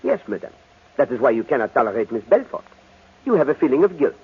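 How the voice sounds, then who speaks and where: An actor playing a shrewd, courteous foreign detective with a French accent in an old-time radio drama, speaking formally and probingly. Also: male voice, mid-range voice, sing-song, breathy edge. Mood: probing, candid. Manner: formal, measured, gently probing. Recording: tinny, band-limited old radio recording.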